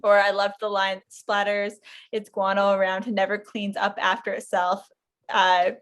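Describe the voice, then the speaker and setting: A woman's voice: mid-range voice, flat delivery, moderate pace. A woman podcast panelist chatting casually and informally, feeling her way through her thoughts. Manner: informal, hesitant, frequent "like". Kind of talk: casual chat.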